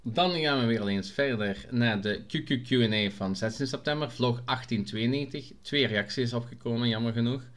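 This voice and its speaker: A man's voice: mid-range voice, normal speed, hardly any pauses. A man with a Limburg Flemish accent, casually reading out and answering viewer comments in a vlog, hesitant with frequent filler sounds. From Belgium, Limburg. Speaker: vlogger.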